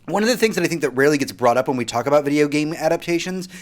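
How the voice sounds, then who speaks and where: A man's voice: on the high side, animated, racing. A man hosting a casual gaming podcast, steering the discussion in long, rambling turns with frequent restarts. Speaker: podcast host. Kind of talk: casual panel chat.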